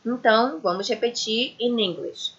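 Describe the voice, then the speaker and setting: A woman's voice: fairly high pitch, a bit bright. A woman with a Brazilian Portuguese accent, teaching a patient English lesson on letter sounds and checking in with "ok?" often. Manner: patient, repeats letters slowly, says "ok?" often. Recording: dull lo-fi recording.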